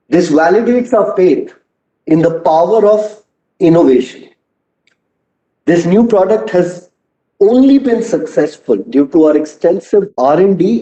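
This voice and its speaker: A man with an Indian accent giving a prepared earnings call presentation as a company executive, measured and articulate, with deliberate emphasis. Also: fairly high pitch, dark tone. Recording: muffled, echoey conference call audio.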